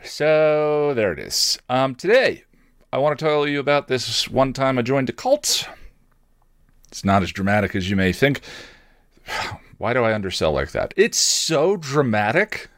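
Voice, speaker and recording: A man's voice: mid-range voice, big pitch swings, measured pace, a bit bright, dry recording, studio quality. A man hosting a casual solo podcast, talking in a digressive, self-deprecating way and often correcting himself mid-thought. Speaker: podcast host.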